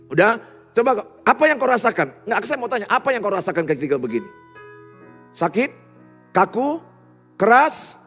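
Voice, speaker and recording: Impassioned fifties pastor. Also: male voice, fairly high pitch. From Indonesia. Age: 50s. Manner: impassioned preaching, cadenced lists, shifting from loud emphasis to soft intimate tones. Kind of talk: sermon. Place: large church hall. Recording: long hall reverb with faint music.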